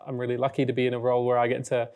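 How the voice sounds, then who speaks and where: A man chatting as an interview guest, upbeat and playful, speaking in quick run-on phrases. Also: medium pitch, completely flat delivery, a little mellow, smooth. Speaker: guest, regional manager and radio presenter. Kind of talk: casual interview chat.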